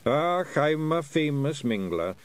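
A man voicing a dim-witted little pixie with a broad Scottish accent. He bumbles along slowly and cheerfully, pleased with himself. His voice sits raised and lively. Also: fairly high pitch, smooth, no room sound, voice pushed up. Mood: bumbling.

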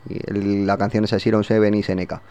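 A man's voice: lowish voice, flat delivery, quick pace, dark tone, smooth. A man with an accent from Spain co-hosting a radio show in a studio, laid-back and teasing, with plenty of slang. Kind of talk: casual radio chat.

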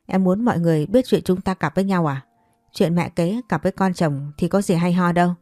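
Woman voicing a stern scolding man, low and dark. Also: a little fast, dry recording, studio quality, lightly acted. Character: scolding middle-aged man, secret lover.

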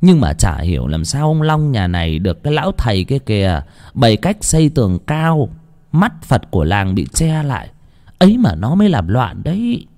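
A man voicing an older village woman who is a spirit medium, explaining slowly and matter-of-factly. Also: mid-range voice, big pitch swings, warm tone. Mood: calm, knowing.

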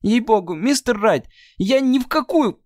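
A man's voice: very high-pitched, expressive, moderate pace, a little mellow, no echo, clean studio sound, pitched above the performer's own voice. A man voicing a young uneducated woman who speaks plain, ungrammatical folksy speech, stubborn and despairing. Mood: groping.

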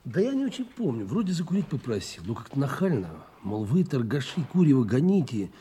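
A man's voice: medium pitch, big pitch swings, brisk, warm tone, slight background noise, natural voice. An actor playing an evasive, uneducated working-class man in an audio drama, cocky and folksy, with colloquial chuckling speech. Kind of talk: Russian audio drama acting.

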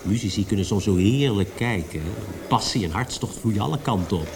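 A chatty friend in a radio play, teasing and confiding. The voice sits a little low and sounds playful and gossipy. Noisy ambience is clearly heard behind it. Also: male voice, lively intonation, brisk. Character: chatty, teasing, romantic friend of a young poet. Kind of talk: Dutch radio drama acting.

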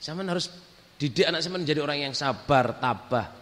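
Bright-voiced male preacher in a hall. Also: a little high, animated, brisk. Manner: storytelling sermon mixing in English, acting out quotes. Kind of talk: sermon. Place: mosque or prayer hall with a congregation. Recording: hall reverb.

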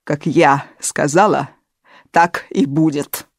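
A woman's voice: fairly even intonation, no room sound, clean studio sound, exaggerated voice. A woman voicing a bitter, hysterical middle-aged actress who shrieks and rants in an audiobook. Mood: menacing. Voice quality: shrill, shrieking. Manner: ranting, slow and drawn-out. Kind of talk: audiobook character voice.

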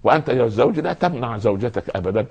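A man's voice: medium pitch, expressive, rapid-fire, a little mellow, husky, highs cut off. A man preaching a sermon, earnestly admonishing his listeners and addressing them directly.

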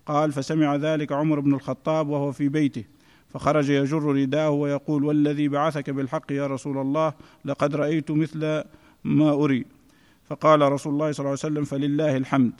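A man reading a classical text aloud to a class in a steady recitation, recorded in an echoey hall. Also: a little high, fast talker. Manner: steady recitation in a level chant.

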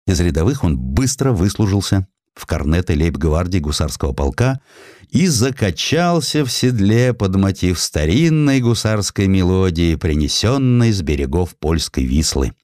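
Man, low-pitched, dramatic historical narration, very animated intonation, dry studio sound. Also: moderate pace, no room sound. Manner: theatrical, expressive storytelling. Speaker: audiobook narrator.

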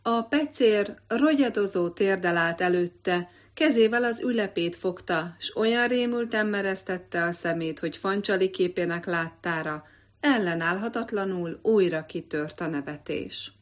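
A woman narrating an audiobook in a measured, expressive literary reading. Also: medium pitch. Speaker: audiobook reader.

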